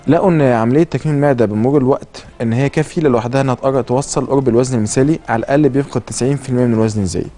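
A man's voice: mid-range voice, rapid-fire, hardly any pauses, mellow, faint music behind. A man in his thirties with an Egyptian Arabic accent, explaining as an expert guest and dropping in English terms. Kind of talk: explanatory interview talk. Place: TV studio, seated. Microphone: lapel mic.

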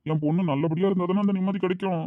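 In a piece of amateur family drama, a high-voiced man acts lightly as an older father, sorrowful and tender, weighed down by guilt about his daughter. His delivery is rapid-fire and earnest, with fairly even intonation. The sound is dull lo-fi without echo.

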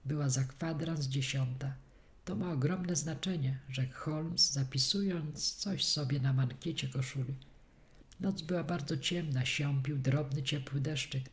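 A woman reading a detective story aloud as a steady first-person audiobook narration. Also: a bass voice, unhurried. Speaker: audiobook reader.

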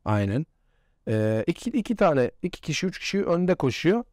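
A man's voice: on the high side, big pitch swings, moderate pace, a little mellow, no echo. Guy in his 40s, ex footballer, telling stories, laughs a lot, dry close sound. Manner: chatty anecdotes with frequent laughs. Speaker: former footballer guest. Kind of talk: casual storytelling interview.

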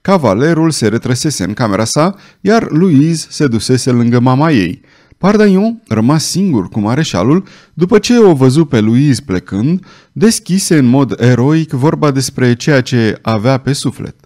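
A male narrator reading an adventure audiobook with dramatic expression. His pitch sits at a middle level but moves through a wide, animated range.

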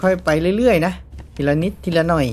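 A man's voice: sits high, a little fast, a little mellow, slight background noise. A man giving casual horror game commentary in a chatty way, nervously talking himself through the scary parts. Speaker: gaming YouTuber.

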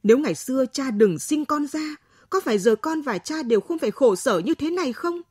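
A woman's voice: sits high, lively intonation, brisk, a little mellow, husky, no echo, clean studio sound, voice pushed up. A woman reading a defiant, bitter young woman.

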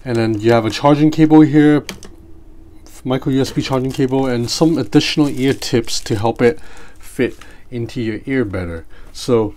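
A man, Cantonese his first language, runs through a gadget review at an indoor table. His talk is relaxed and conversational, with a mid-range pitch, and he narrates each step as his hands show it. The sound comes from a desk mic nearby. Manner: relaxed, chatty, demonstrating as he goes. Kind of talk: casual product review. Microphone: separate mic near the desk.

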